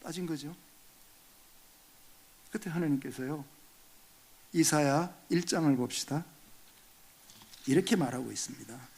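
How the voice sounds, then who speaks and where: High-voiced Korean pastor preaching. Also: male voice, unhurried, pauses often, darkish tone, husky. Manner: reads scripture aloud, acts out complaining believers in raised voice. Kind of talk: sermon. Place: church sanctuary.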